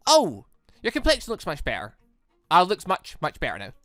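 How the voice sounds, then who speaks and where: A man's voice: a little high, wildly swooping pitch, moderate pace, sharp tone, dry recording, studio quality, soft background music, exaggerated voice. A man voicing a kind, earnest, cheerful girl who is eager to help, in a visual novel. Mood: concerned. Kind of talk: reading a visual novel aloud.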